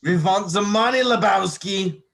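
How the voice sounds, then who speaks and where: A man's voice: high voice, unhurried, a bit bright. A man playing a menacing, absurd nihilist thug in a table read. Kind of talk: amateur virtual table read.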